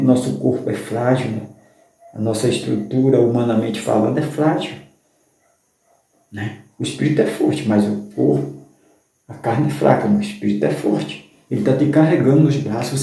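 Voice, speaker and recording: A man's voice: medium pitch, moderate pace, dark tone. A man preaching a fervent sermon as a pastor, with a Brazilian Portuguese accent and a repetitive style. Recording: very echoey room.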